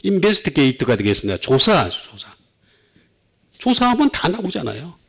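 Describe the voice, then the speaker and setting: A middle-aged male pastor preaching a sermon, with sudden swings between loud and soft. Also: fairly high pitch, huge pitch swings, normal speed, creaky, breathy edge.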